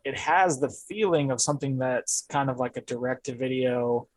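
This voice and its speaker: A man's voice: mid-range voice, moderate pace, darkish tone, dry recording, poor audio. A man co-hosting a casual movie podcast, talking in a loose, rambling way with frequent fillers and chuckles. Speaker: podcast co-host. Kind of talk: casual chat.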